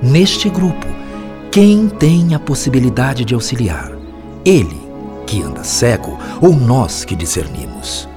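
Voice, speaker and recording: A man playing a wise, compassionate spirit mentor who reasons patiently and persuasively, in the measured sermonizing style of a radio drama. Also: medium pitch, big pitch swings, music in the background. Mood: earnest, admonishing.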